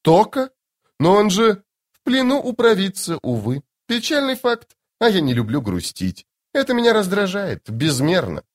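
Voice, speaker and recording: A woman's voice: mid-range voice, very animated, normal speed, voice pushed up. A man voicing a vain, cheerful woman in white who chatters sweetly and admires herself, in an audiobook. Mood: airy, chatty. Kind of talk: audiobook character voice.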